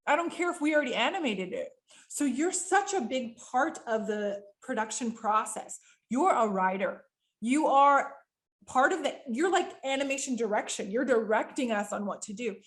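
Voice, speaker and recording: A woman who works as an animator and voice-over coach teaches a virtual workshop. She talks in quick, lively bursts with frequent fillers and speaks directly to her audience. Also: on the high side. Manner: addresses the audience directly and often.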